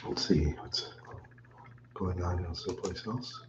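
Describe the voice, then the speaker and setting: A man's voice: sits low, steady tone, measured pace, noisy background. A man chatting on a live stream, out of breath, rambling and repeating himself with little chuckles. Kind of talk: casual live-stream chat. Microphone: webcam mic. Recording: echoey room, dull webcam audio.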